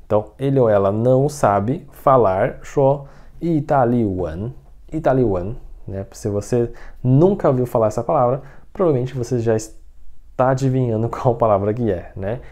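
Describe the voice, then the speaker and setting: A man teaching Mandarin in an online lesson, saying sentences slowly for drills and explaining them in chatty full of "né?" and "tá?". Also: medium pitch, warm tone. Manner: slow drilled Mandarin, chatty Portuguese asides with "né?" and "tá?".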